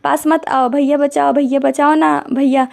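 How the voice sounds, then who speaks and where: A woman's voice: sits high, little pitch movement, unhurried, gravelly, darkish tone. A woman narrator voicing a terrified, tearful young woman who pleads like a small child. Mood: pleading, tearful. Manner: pleading, sobbing.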